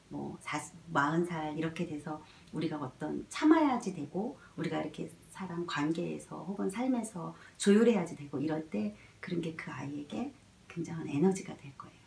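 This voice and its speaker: A woman teaching parents in a spoken lecture, telling lively stories full of fillers and acting out mothers and toddlers, sometimes dropping to a soft whisper. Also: fairly low pitch, gravelly, slight background noise. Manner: animated storytelling, acts out mothers and toddlers, drops to soft whispers; many filler words. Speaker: child development educator. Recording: roomy, mic at a distance.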